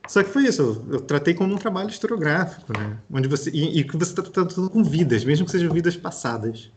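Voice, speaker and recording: A man's voice: fairly high pitch, animated, fast, darkish tone, a little hiss or hum. A young man from Brazil with a Rio de Janeiro accent, a guest historian in a casual podcast interview, thinking aloud and restarting his sentences. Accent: Brazilian Portuguese, Rio de Janeiro.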